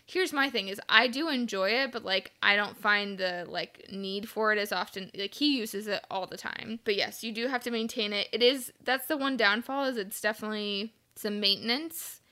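A woman's voice: mid-range voice, moderate pace, hardly any pauses, pushed and bright. A woman co-hosting a casual chat, talking in a rambling way full of fillers. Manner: chatty, rambling with many likes. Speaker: podcast co-host.

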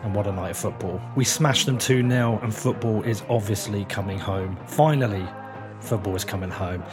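A man with an English accent and a croaky, hoarse voice that is giving out, hosting a podcast and speaking informally and directly to listeners. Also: fairly low pitch, moderate pace, over music. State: losing his voice. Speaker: podcast host. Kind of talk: podcast intro and sponsor reads.

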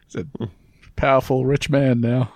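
A man's voice: mid-range voice, flat delivery, unhurried, a little mellow, dry recording. A man co-hosting a comedy podcast, joking dryly and trailing off as he talks. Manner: dry, joking, trails off into mumbles. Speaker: podcast co-host. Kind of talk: casual comedic chat.

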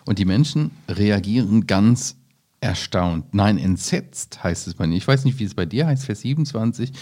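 A man with a fairly low voice talks through a Bible passage with his partner. He sounds thoughtful and unhurried, wondering aloud and quoting verses as he goes. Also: lively intonation, mellow. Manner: thoughtful, reflective, quotes scripture. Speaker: Bible study co-host. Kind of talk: casual Bible discussion.

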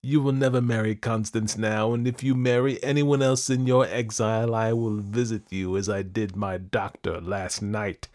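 A man's voice: fairly low pitch, steady tone, moderate pace, few pauses, a little mellow, voice pushed up, close to an everyday voice. A man voicing a deluded, triumphant madman in an audiobook, with imperious, furious, emphatic delivery. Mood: triumphant menace. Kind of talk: dramatic audiobook character acting.

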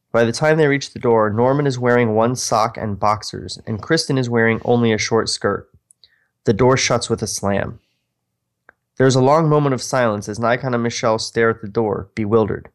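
Man, middle pitch, screenplay narration, casual sardonic asides, self-mocking. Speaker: host reading his old screenplay aloud.

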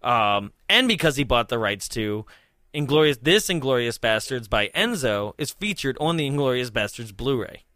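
Young man, bright tense voice, dry close sound, rambling casual chat, laughs a lot. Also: mid-range voice, very animated, moderate pace, dry recording. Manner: rambling, laughs often, many fillers. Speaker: podcast co-host.

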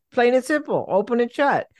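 A woman's voice: fairly high pitch, expressive, unhurried, dry recording. A woman with an American accent hosting a casual interview, feeling her way through questions and rephrasing them as she goes. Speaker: podcast host.

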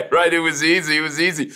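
A man's voice: on the high side, pushed and bright, a little hiss or hum. A man hosting an interview, asking curious questions and often restarting them, laughing easily. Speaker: interview host. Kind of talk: interview conversation.

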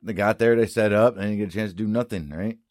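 A man co-hosting a casual review chat, chiming in with quick agreements and laughing along. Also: on the low side, a little mellow, no echo, clean studio sound. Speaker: podcast co-host.

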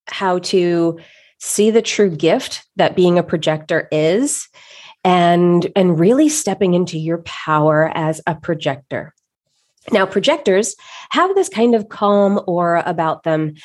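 A woman in her thirties hosts a solo podcast with a slightly husky, lower-pitched voice as she gets over an illness. She talks with eager, conversational energy, often restarting her sentences mid-thought. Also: darkish tone. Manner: enthusiastic, conversational, frequent restarts. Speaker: podcast host.

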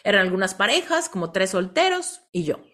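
A woman with a Mexican accent hosting a motivational coaching talk, telling stories in an animated way and often ending lines with a questioning tag. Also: medium pitch, a little fast. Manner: animated storyteller, tags lines with "¿no?". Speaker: host.

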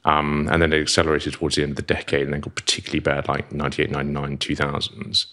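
A middle-aged man from Zimbabwe with a Zimbabwean accent softened by years in England, speaking as a podcast guest in a wry, self-deprecating way with clipped vowels. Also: rumbling low, completely flat delivery, racing. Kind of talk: casual podcast conversation.

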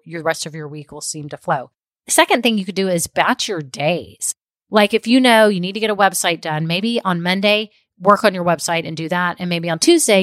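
A woman's voice: fairly low pitch, a bit bright, dry recording, clean studio sound. A middle-aged woman giving upbeat, encouraging, tidy step-by-step advice as a casual vlog host. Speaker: host of a business advice show.

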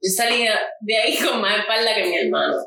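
Animated woman, echoey room. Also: mid-range voice, fast talker, gravelly, background noise. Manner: animated storyteller, switches into English, acts out voices. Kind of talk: casual chat. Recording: echoey room, mic at a distance.

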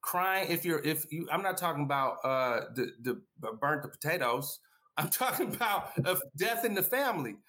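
A man's voice: fairly high pitch, lively intonation, moderate pace, sharp tone. A man who is a guest educator in a panel discussion. He speaks earnestly, repeats himself and checks his points with "right?".

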